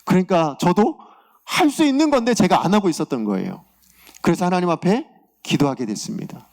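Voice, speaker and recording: A man's voice: high-pitched, brisk. A male pastor giving a sermon, telling a personal story and acting out the words he heard in prayer. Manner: animated, acts out God's words in a raised voice; confessional storytelling about his own week.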